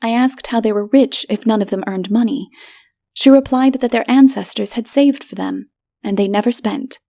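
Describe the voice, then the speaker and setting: A woman's voice: fairly high pitch, normal speed, gravelly, dark tone. A woman reading a story aloud as dramatic, scripted audiobook narration.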